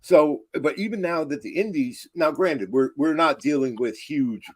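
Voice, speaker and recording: A man's voice: a little high, moderate pace. A man co-hosting a show with casual, wry banter and argumentative commentary. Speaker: show co-host.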